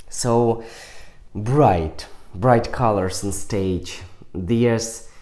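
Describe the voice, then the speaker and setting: A man in his twenties from Ukraine, a native Russian and Ukrainian speaker, giving an excitable reaction commentary in simple English with small slips. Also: fairly low pitch, roomy sound. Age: 20s. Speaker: music reaction vlogger. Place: small indoor room with ornate sofa.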